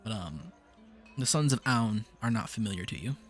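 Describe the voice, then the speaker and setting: A man narrating lore as game master of a tabletop game, explaining history in a measured way. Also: fairly low pitch, lively intonation, faint music behind.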